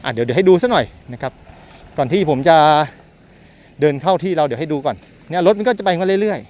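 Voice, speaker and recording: A man talks casually while walking outdoors across open countryside, filming on a handheld camera. His voice sits a little on the high side, and his delivery is loose and chatty as he points things out along the way. Birds call in the open air around him. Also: a little mellow. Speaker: land seller and property reviewer. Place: outdoors in open rural fields by a road.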